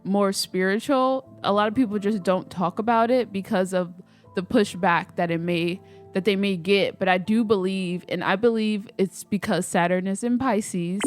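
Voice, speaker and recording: A woman's voice: medium pitch, steady tone, moderate pace, soft background music. A woman vlogging casually while doing her hair, a little stuffy and nasal from a cold, rambling with lots of fillers and restarts. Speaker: spiritual vlogger. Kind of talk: casual chat to camera.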